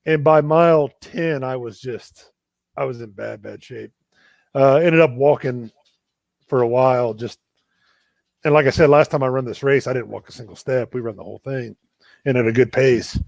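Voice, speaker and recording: Brief: male host, gravelly voice, dry close sound, easygoing storyteller on a video call. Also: medium pitch, normal speed, no echo. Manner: relaxed, self-deprecating storyteller. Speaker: running coach and show host. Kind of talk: casual storytelling in a live video chat.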